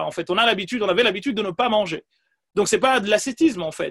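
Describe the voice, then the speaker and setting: A man speaks in a high voice whose pitch varies in an ordinary way. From Comoros. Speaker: Islamic teacher. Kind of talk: lecture. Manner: halting.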